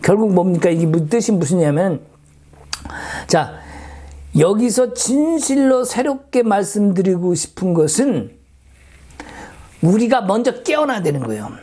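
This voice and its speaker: A man's voice: high-pitched, big pitch swings, a little slow, pauses often, warm tone. A middle-aged man, a pastor, preaching a sermon in a conversational way and asking his listeners rhetorical questions. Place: church in the Silicon Valley area.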